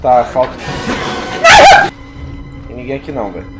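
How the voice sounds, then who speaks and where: A man in his thirties from Brazil streaming a horror game, swearing constantly and yelping in fright, his voice going hoarse. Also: medium pitch, normal speed, muffled recording. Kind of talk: live gameplay commentary. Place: home streaming room. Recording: game music underneath.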